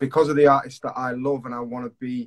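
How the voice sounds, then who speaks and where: A man speaks at a fairly quick pace and medium pitch. The sound is dry and close, with no echo. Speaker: singer-songwriter. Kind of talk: interview.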